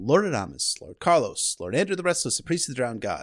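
A man's voice with very wide pitch swings, over a quiet background. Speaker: podcast host. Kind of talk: casual book discussion.

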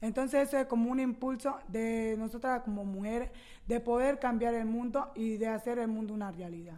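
At a moderate pace, a woman with a dark, mellow tone speaks at a fairly high pitch and with fairly even intonation. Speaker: youth football team captain. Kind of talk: interview. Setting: video recorded on location in Doha.

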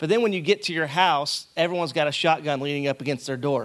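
In a very clean recording with a silent background, a man with a Southern US accent speaks with ordinary pitch variation. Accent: Southern drawl. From Arkansas. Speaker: pastor. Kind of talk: sermon.

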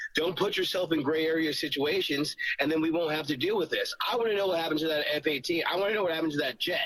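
A man talks at a very fast pace with hardly any pauses, his fairly high pitch held in fairly even intonation. Noticeable background noise runs underneath. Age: 30s. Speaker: caller. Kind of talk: call-in comment.

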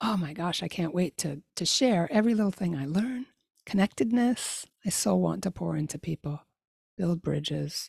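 A woman speaks at a moderate pace with a fairly low pitch, lively intonation and a somewhat breathy voice. The sound is dry and close with no echo, in a very clean recording with a silent background. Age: 60s. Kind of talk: reflective solo podcast monologue.

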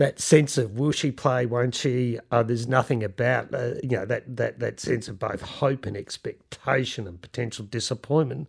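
On a very clean recording with a silent background, a man with an Australian accent speaks at medium pitch with fairly even intonation and hardly any pauses. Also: moderate pace. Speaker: podcast host, PR consultant and former journalist. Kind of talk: casual chat. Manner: halting, many repetitions.

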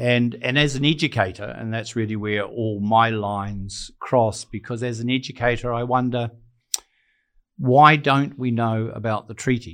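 A man with a New Zealand accent speaks at a moderate pace in a medium pitch. His intonation stays fairly even over a quiet background. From New Zealand, Waikato. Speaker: treaty educator and former teacher. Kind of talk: interview.

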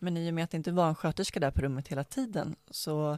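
In a very clean recording with a silent background and a dry, close sound with no echo, a woman with a very deep, low voice talks at a fairly quick pace with ordinary pitch variation. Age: 30s. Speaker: journalist and public speaker. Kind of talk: life story interview. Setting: in-person recording at guest's home.

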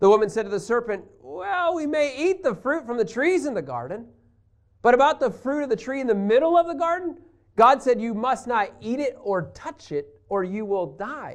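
The speaker has an American accent and a moderate pace. The background is quiet. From US Midwest. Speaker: Bible teacher. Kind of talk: Bible lesson with prayer. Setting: classroom or studio with screen. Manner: animated.

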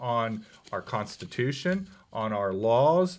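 Very slow speech from a man with lively intonation, over a quiet background. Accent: American. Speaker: podcast host, historical society director. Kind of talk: casual chat.

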